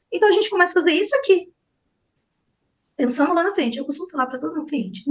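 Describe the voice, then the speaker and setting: A woman's voice: sits high, recorded from a distance, poor audio. A woman therapist teaching a live online class, talking animatedly and acting out little dialogues as she explains. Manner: animated, acts out dialogue, frequent "né?" and "tá?".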